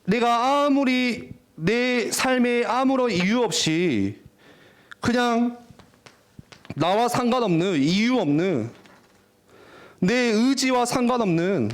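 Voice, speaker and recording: A young man preaching a lively, jokey youth sermon in a church, often acting out teenagers' voices. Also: high voice. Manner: animated, jokey, acts out teen voices. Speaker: youth pastor. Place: church worship hall.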